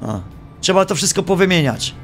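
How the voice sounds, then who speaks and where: A man streaming live, giving gameplay commentary in an animated, joking and playfully exasperated way. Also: high-pitched, moderate pace, faint music behind.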